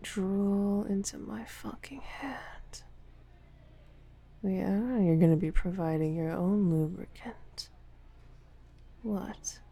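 A woman playing a dominant, taunting lover in an intimate audio roleplay, mostly in a husky whisper with a slow, commanding delivery. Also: mid-range voice, steady tone, dark tone, exaggerated voice. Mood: teasing, commanding. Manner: slow, teasing, commanding, profane.

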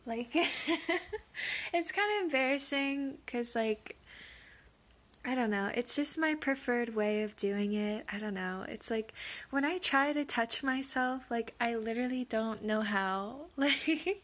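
A woman with a sniffly voice from allergies, rambling in a nervous, halting way, stammering, filling pauses and giggling, sometimes dropping to a whisper. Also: a little high. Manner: drops into soft whispers at times; giggles often. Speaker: audio creator. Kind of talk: rambling casual monologue.

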